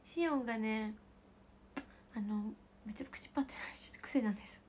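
A woman with a Kansai accent chatting casually with livestream viewers as the host, giggling often and slipping into soft whispered asides. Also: a little high, a little fast, slight background noise. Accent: Kansai Japanese.

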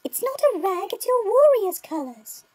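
A performer voicing a bossy, unimpressed young female mouse in a parody cartoon dub, with curt, deadpan put-downs. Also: very high voice, normal speed. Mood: curt, scornful.

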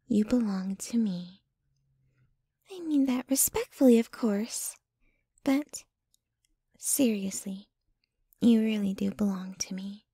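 A woman's voice: on the high side, mellow, dry recording, clean studio sound. A woman playing a jealous, possessive, doting young girlfriend in an intimate, dramatic ASMR roleplay. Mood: possessive, breathy adoring. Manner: intimate, dramatic, swinging between ranting and breathy murmuring.

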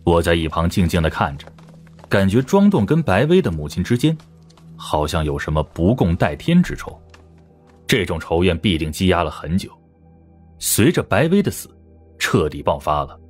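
A man's voice: low-pitched, sing-song, moderate pace, a little mellow, husky, faint music behind. A man narrating a crime audiobook in a scripted, dramatic storytelling style.

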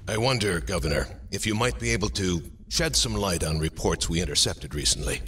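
An actor playing a coolly probing alien imperial captain in an audio drama, precise and formal. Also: male voice, deep voice, animated, fairly quick, a bit bright, a little hiss or hum.

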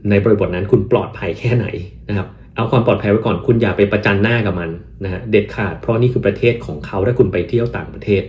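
A man from Thailand talking casually as host, giving advice and acting out replies he would give. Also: on the low side. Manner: animated, acts out quoted replies in English.

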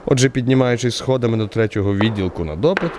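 A man narrating a literary radio drama as the wry author's voice, in an expressive, theatrical way. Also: medium pitch, fast talker, noisy background, close to an everyday voice.

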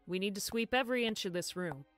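An actor playing a calm, matter-of-fact male police detective. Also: sits high, fast talker, faint music behind.

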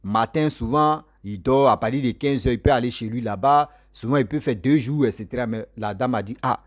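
Young male storyteller, animated and chuckling, dry close-miked sound. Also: mid-range voice, brisk, no echo. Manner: animated, chuckling, repeats words for effect. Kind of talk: casual storytelling vlog. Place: small indoor room. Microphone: studio mic on stand, close.

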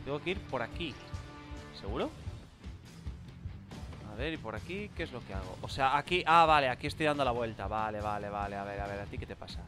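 A man with a Spain Spanish accent giving casual gameplay commentary, rambling with fillers and bursting into loud exclamations. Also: mid-range voice, animated, fairly quick, pauses often. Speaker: gaming channel host. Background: game music.

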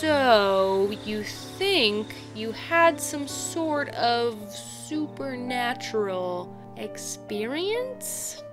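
An actress playing a skeptical, casual friend in an audio drama, speaking in a drawn-out, doubtful way. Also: female voice, fairly high pitch, sing-song, music in the background, full character voice.

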